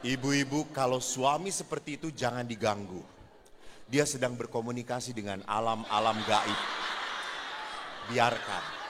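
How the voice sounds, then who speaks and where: A man, a Catholic priest, giving a humorous, animated sermon to married couples, in a large church hall. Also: medium pitch, unhurried, noisy background. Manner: animated, joking, playful storyteller. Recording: reverberant church hall, faint ambience.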